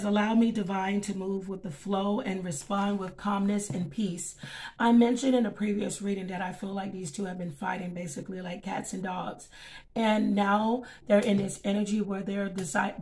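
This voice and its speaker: A woman with a scratchy voice talks through a tarot reading in a loose, chatty way, at a middle pitch. She leans on fillers and checks in with her listeners as she goes. A faint hiss sits under her voice. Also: a little mellow. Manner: chatty, frequent um and okay. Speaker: tarot reader. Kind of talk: casual tarot reading to camera.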